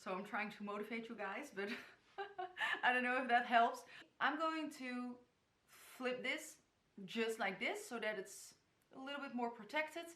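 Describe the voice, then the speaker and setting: Chatty bright-voiced young woman vlogger. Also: a little high, lively intonation, measured pace. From the Netherlands. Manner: chatty, giggly, stumbles over place names. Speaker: hijab tutorial vlogger. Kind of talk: casual tutorial talk to camera. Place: her bedroom. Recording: echoey bedroom.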